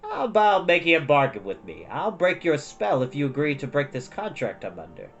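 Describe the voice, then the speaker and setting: A man voicing a cunning fire demon in a storybook, with a cracked, whining voice and a brisk, wheedling manner. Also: a little high, huge pitch swings, creaky, a bit bright, dull audio, exaggerated voice. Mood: persuasive, cunning. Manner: brisk, whiny, persuasive.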